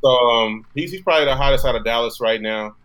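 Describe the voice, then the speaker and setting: A man from Texas, a guest musician talking casually on a podcast, relaxed and profane, often restarting his words. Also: mid-range voice, fast, a crowd in the background, poor audio.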